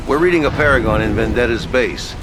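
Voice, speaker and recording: An actor playing a headquarters radio operator in a video game, giving brisk, matter-of-fact mission briefings. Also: male voice, mid-range voice, noisy background, natural voice.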